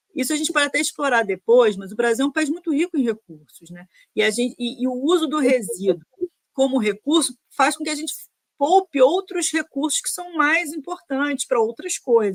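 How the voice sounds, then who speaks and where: In a dry, close sound with no echo, a high-pitched woman with a Rio de Janeiro accent talks at a moderate pace with lively intonation and big swings in loudness. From Rio de Janeiro, Niterói. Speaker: energy research analyst. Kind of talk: podcast interview.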